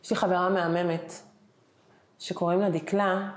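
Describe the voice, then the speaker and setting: A woman's voice: on the low side, crowd noise. A middle-aged woman, an interview guest, tells her personal story with emotion and acts out the conversations she recalls. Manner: animated, acts out the dialogue she retells. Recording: roomy echoing room.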